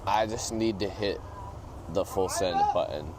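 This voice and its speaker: A man's voice: sits low, unhurried. A young American man projecting his voice in casual chat as a podcast guest, recorded outdoors. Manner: projecting, loud. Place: outdoors in public at a busy drive coffee stand. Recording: noisy outdoor urban drive-through ambience. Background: outdoor ambience and vehicle noise.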